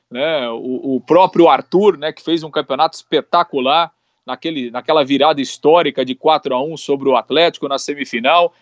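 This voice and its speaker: A man with a slightly high voice reminisces about a match in a loose conversational way, full of little filler tags. His voice comes through dull and dry, like a muffled remote line. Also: dry recording. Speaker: sports reporter guest. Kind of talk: casual radio chat.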